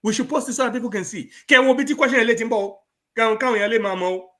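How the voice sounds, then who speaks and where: This man has an extremely high, bright voice and a forceful, rapid-fire delivery. A Nigerian guest with a Yoruba accent, he speaks emphatically on a political talk show, switching between Yoruba and English.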